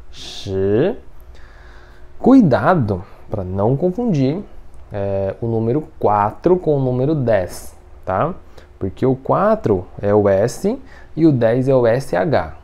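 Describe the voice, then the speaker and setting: A Mandarin teacher giving an online language lesson, patiently checking in after each point and slowly repeating each syllable. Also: medium pitch, dark tone. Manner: patient, ends phrases with checking tags.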